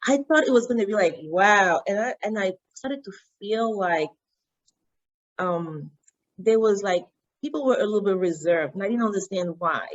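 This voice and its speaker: A woman from Cameroon with a Cameroonian accent, her first language Yemba, telling her story as an interview guest in an animated way with frequent restarts. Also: medium pitch, normal speed. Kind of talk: interview conversation. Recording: dull lo-fi sound.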